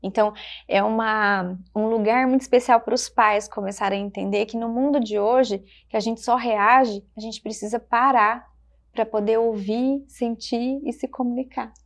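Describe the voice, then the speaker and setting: A woman with a Brazilian Portuguese accent, a child development specialist speaking gently and reflectively in short phrases on a podcast. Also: fairly high pitch, fairly even intonation, moderate pace. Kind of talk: podcast conversation.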